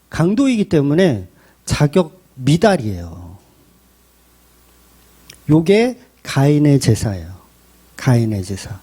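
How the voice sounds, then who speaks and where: Man pastor, sermon, high voice, lively swings, blunt rhetorical questions.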